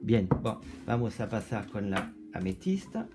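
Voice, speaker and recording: A man with a French accent doing a casual tarot card reading, halting and searching for words, with many restarts and French filler words slipped in. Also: lowish voice, sing-song, over loud music. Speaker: tarot reader.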